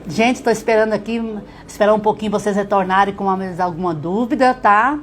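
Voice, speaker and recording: A middle-aged woman, a literacy teacher on a live stream, explaining step by step, often checking in with her viewers and sounding out letters slowly. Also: mid-range voice, a little hiss or hum.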